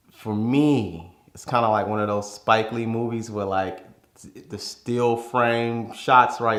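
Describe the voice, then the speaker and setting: Against noticeable background noise, a man at medium pitch speaks at a fairly slow pace in a monotone, flat way with big swings in loudness. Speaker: father. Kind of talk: interview answer. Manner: expressive.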